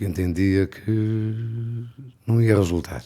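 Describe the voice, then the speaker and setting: The voice belongs to a man. His tone is dark and mellow. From Portugal, Douro region. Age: 60s. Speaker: mayor. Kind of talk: podcast interview. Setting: podcast recording.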